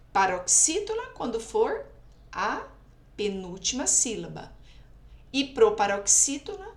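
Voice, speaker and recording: In a recorded distance lesson, a patient female teacher walks through exercises in a lively, higher-pitched voice, frequently asking "tá?" to make sure students follow. Her voice echoes around the room.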